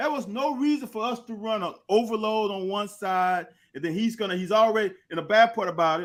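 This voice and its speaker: On a very clean recording with a silent background, a man speaks in an animated tone at a high pitch. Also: ordinary pitch variation. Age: 40s. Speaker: podcast host, former college football player. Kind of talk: casual sports chat.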